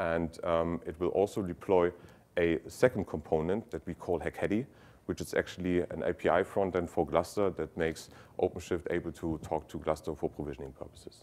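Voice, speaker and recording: A man speaks with a German accent in a very deep, low pitch. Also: fairly even intonation, fairly quick pace. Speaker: software engineer presenting at a tech conference. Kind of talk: conference talk with live demo. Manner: hesitant, frequent fillers.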